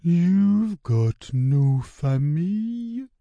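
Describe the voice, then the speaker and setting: A lonely young sea-creature girl from a children's storybook, her voice lifted high and drawn out slowly in tearful pleading, as a male reader puts her on. The sound is close and dry, with a softened, airy tone unlike the reader's own. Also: very animated, dry recording, muffled recording, full character voice. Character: sad young female sea creature with big mouth.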